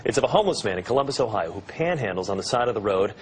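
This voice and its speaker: A man's voice: fairly low pitch, lively intonation, rapid-fire, a little hiss or hum. Upbeat male morning TV host. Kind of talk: broadcast interview hosting.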